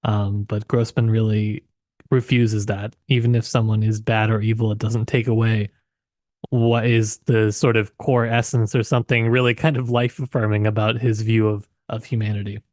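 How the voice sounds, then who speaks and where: A man co-hosting a podcast, talking through literature casually in a reflective, halting way. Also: lowish voice, level tone, a little mellow, dry recording, clean studio sound. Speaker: podcast co-host.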